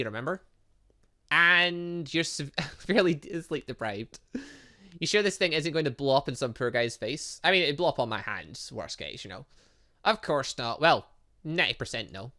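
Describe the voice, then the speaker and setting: A man with a fairly high, bright voice reads visual novel lines aloud for a gaming video. His pitch moves around a lot as he goes. He drops in casual, playful asides and often stumbles on a word before fixing it. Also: normal speed. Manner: stumbles over words and corrects himself; animated, exclaims and reacts playfully.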